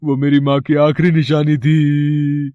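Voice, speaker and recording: A man's voice: a little high, monotone, measured pace, clear, resonant tone, dry recording, highs cut off, close to an everyday voice. A man voicing a greedy, scheming elder brother in a cartoon story, wheedling and putting on fake tears. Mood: fake-weeping. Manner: wheedling, fake-weeping, then panicked. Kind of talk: cartoon voice acting.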